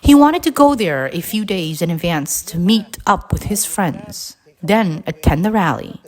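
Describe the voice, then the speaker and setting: A woman reading a scripted address aloud in a deliberate, halting way, phrase by phrase. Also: fairly low pitch, expressive. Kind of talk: scripted read-aloud narration.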